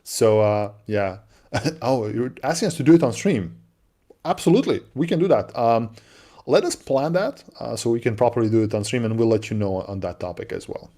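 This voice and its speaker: A man with an accent co-hosting a livestream, answering viewer questions in a relaxed, chatty way with lots of fillers and restarts. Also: mid-range voice, moderate pace. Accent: non-native English. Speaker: livestream co-host. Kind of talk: casual livestream chat.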